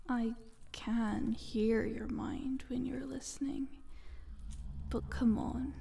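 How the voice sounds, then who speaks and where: A woman playing a sly, taunting eldritch monster in a soft, breathy, half-whispered ASMR roleplay. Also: a little high, exaggerated voice. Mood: teasing, condescending. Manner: slow, teasing, condescending.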